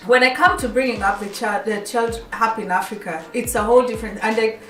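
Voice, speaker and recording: A woman's voice: on the high side, brisk, a bit bright, recorded from a distance. Woman host, raised in Kenya, Kikuyu native; rambling chat, echoey off-mic sound with music behind. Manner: chatty, repeats and restarts words. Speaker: radio show host. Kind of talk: casual radio chat.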